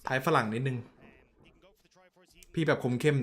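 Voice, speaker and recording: Bright-voiced, excitable male streamer. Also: medium pitch, a little slow. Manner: blunt and excitable, with crude slang; answers viewer messages directly. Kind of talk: casual esports watch-along commentary.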